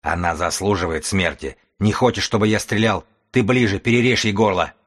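Sneering, ruthless tribal chief, voiced by a man, husky and mocking. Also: lowish voice, brisk, close to an everyday voice.

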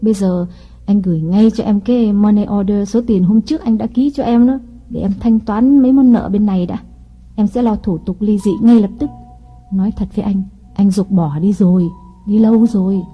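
Husky high young wife, all coaxing and sweet, sly underneath, dull recording, faint music. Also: male voice, a little fast. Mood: pleading. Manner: coaxing, whiny-sweet pleading.

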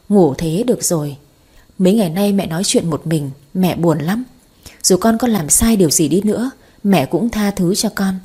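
A woman's voice: mid-range voice, mellow, husky, natural voice. A woman voicing a grieving older mother who pleads tearfully with her unconscious daughter, in an audio story.

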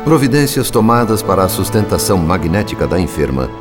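Observant narrator, low voice, literary descriptive style, grave, radio drama, background music. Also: male voice, very animated, a little fast. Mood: grave storytelling. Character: observant, grave male narrator recounting spirit-world events.

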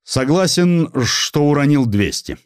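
A male narrator plays a greedy tsarist police official, smug and self-important. The delivery is pompous and wheedling, with animated swings of pitch. The sound is dry and close. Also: unhurried, clean tone, no room sound. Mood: brazen.

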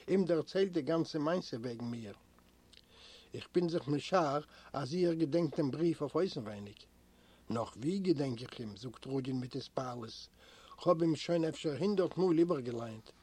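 Male reader, somewhat high but mellow tone, dry close sound, earnest literary reading. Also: no room sound. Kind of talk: literary reading of a prison memoir.

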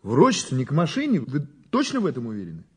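An actor playing a dry, persistent police investigator in an audio drama, with a wry, terse manner. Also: male voice, a little high, wildly swooping pitch, very fast, husky, exaggerated voice. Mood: brisk, probing. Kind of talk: Russian audio drama acting.

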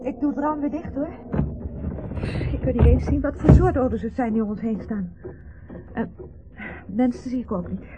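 An actress playing a fretful, caring wife of a company director in a Dutch radio play. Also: female voice, a little high, normal speed, pauses often, natural voice. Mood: frightened. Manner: fretful, solicitous. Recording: muffled, noisy old radio play recording.

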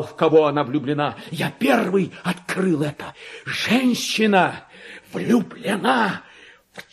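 An actor playing a deluded petty clerk who believes himself a king, in a theatrical radio monologue with a husky, grandiose and erratic delivery. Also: full character voice. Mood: feverish, raving. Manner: grandiose, erratic, swinging from hushed confiding to shrill outbursts.

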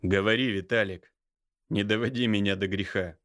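A man voicing an enraged older brother who threatens slowly and with contempt. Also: fairly low pitch, fairly even intonation, fairly bright tone. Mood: furious, menacing. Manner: growling, slow and threatening. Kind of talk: audiobook character voice.

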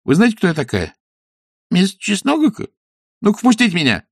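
A man voicing an impatient, fierce young woman witch in a storybook, with sharp commanding questions. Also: high voice, huge pitch swings, a little fast, dry recording, studio quality, voice pushed up, exaggerated voice. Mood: demanding.

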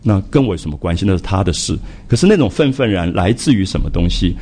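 Husky older man giving a reflective lecture. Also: low voice, sing-song, fast talker, warm tone. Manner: reflective, conversational, with frequent "ah" fillers and repetitions. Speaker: lecturer on classical literature. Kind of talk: public lecture to a live audience.

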